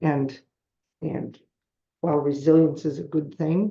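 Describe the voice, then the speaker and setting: Someone speaks at a very slow pace with an American accent. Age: 50s. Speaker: viewing party participant. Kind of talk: group discussion. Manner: halting, many fillers.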